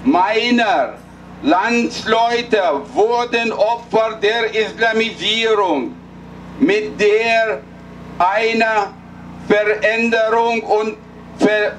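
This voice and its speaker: Slow, high-voiced older man. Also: a bit bright. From Egypt. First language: Arabic. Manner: solemn, deliberate, with halting restarts. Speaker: rally speaker. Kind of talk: political rally speech. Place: outdoor night rally in a city square. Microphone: handheld mic, filmed by a distant camera. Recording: far-off voice with street noise.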